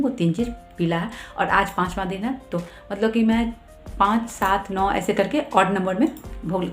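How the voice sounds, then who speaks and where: A woman's voice: fairly low pitch, roomy sound. A woman vlogger casually explaining her home puja routine at length. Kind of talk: casual devotional vlog talk.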